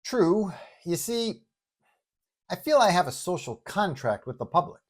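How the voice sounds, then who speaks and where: A man's voice: sits high, very animated, unhurried, pitched above the performer's own voice, full character voice. A man voicing a confident, well-meaning superhero who talks in a breezy, colloquial way in an audio story. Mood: earnest, casual.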